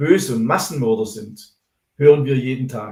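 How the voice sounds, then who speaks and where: A man with a medium-pitched, dark and mellow voice that is somewhat breathy speaks at a moderate pace. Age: 60s. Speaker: author. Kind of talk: interview.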